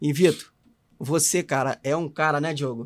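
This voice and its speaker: On a very clean recording with a silent background, the voice is a normal speaking voice with fairly even intonation. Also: man. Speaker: career manager. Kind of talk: casual chat.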